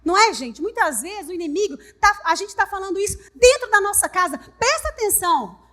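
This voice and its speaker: A woman's voice: very high-pitched, big pitch swings, brisk, sharp tone. A woman pastor with a Brazilian Portuguese accent preaching a sermon, emphatic and repetitive, speaking straight to her congregation. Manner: emphatic, repeats phrases, addresses congregation directly.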